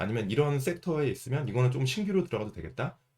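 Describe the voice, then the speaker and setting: A man speaks at a very fast pace with lively intonation. His tone is dark and mellow, and somewhat breathy. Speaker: stock market commentator. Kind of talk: market commentary monologue. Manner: fast talker by habit.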